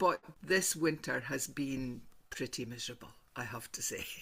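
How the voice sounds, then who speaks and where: A woman with a northeast Scottish accent speaks in a bright, sharp tone with vocal fry and very wide pitch swings. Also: very clean recording, silent background. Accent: northeast Scottish (Doric). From northeast Scotland. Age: 60s. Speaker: storyteller. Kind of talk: interview.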